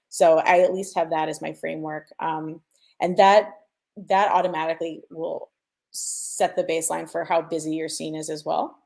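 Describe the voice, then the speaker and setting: A woman's voice: fairly low pitch, creaky, darkish tone. A woman explaining her work as a sound designer in an informal, conversational way, thinking aloud and stressing key points. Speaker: sound designer sharing mixing advice.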